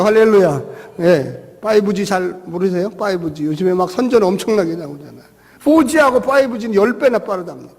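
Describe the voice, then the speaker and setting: A middle-aged male pastor preaches in a very high, lively voice. He calls out to his congregation with animated energy. The sound rings with the long reverb of a church hall. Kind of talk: sermon. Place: church sanctuary.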